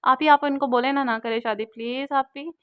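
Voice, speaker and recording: Scared young woman, tearful and pleading, voiced by a woman narrator, higher than usual. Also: steady tone, normal speed, smooth, close to an everyday voice. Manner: pleading, trembling.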